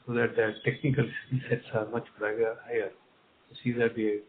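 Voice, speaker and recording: A man's voice: mid-range voice, level tone, normal speed. A man with an Indian accent, a company executive giving unscripted answers on an investor call, often repeating and rephrasing his phrases. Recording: narrow phone line, clear background noise.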